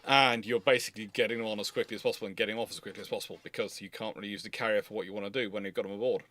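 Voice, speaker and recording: A man's voice: fairly low pitch, fairly even intonation, very fast, bright, forceful tone. A man hosting a casual history discussion, rambling and often repeating words as he goes. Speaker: live stream host.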